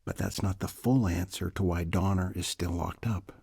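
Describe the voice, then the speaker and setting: An actor playing a weary, grave older prison warden in a video game, speaking with dramatic pauses in a gravelly, husky voice. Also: male voice, low-pitched, fairly even intonation, darkish tone, heavily acted. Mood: weary, confiding. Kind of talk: dramatic game cutscene acting.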